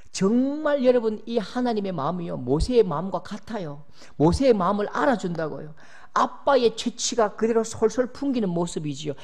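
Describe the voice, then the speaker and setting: Man, pastor, sermon, Gyeongsang accent, animated pitch, storytelling. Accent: Gyeongsang Korean. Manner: lively storytelling, acting out voices.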